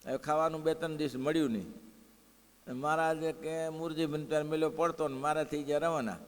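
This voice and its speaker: Man, devotional storyteller, fairly high voice, long hall reverb. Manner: lively, acts out characters' voices. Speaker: religious storyteller.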